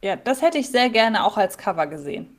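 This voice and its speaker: A woman's voice: a little high, very animated, a little fast. A woman co-hosting a podcast in casual chat, chatty and self-deprecating. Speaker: podcast co-host.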